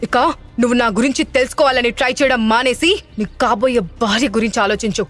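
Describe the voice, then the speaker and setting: A woman's voice: fairly high pitch, fairly even intonation, fast, soft background music, natural voice. A woman voicing a young mother who answers her family in a cold, curt way. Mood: cold defiant.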